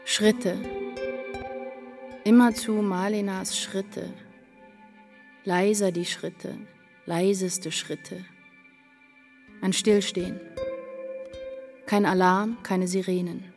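Radio drama: an anguished writer narrating, deliberate incantatory phrasing, mid-pitched, faint music underneath. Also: female voice, steady tone. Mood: hushed, fatalistic. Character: anguished woman writer, first-person narrator, fading into despair. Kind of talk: literary radio drama monologue.

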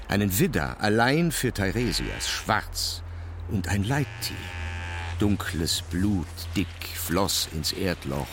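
An actor playing a solemn ancient seafaring king who recounts his voyage in measured, incantatory verse for a radio play. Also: deep voice. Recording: clear background noise.

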